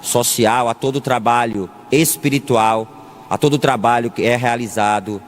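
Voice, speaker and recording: A Brazilian man from Salvador preaching a homily as a Catholic priest, deliberate, with frequent pauses and phrases repeated for emphasis. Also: medium pitch. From Salvador, Bahia, Brazil. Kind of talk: sermon. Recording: long echoing reverb of a large hall.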